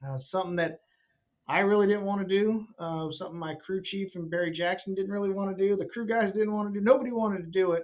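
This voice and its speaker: A man with an American accent talks at a very fast pace. His pitch is high and his intonation fairly even. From Northern California, Elk Grove. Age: 50s. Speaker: racing driver. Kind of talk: interview. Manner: halting.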